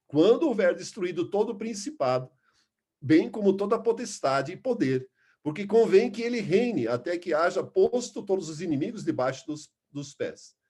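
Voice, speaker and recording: A man's voice: sits high, dark tone. A man teaching a Bible lesson, earnest and emphatic, stopping to restart words and reading scripture aloud. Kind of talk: Bible class lecture.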